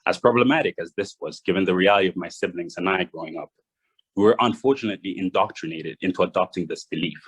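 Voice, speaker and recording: A young man from Rwanda giving a prepared address, measured and read from notes with small restarts. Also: low voice, husky, poor audio. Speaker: guest speaker.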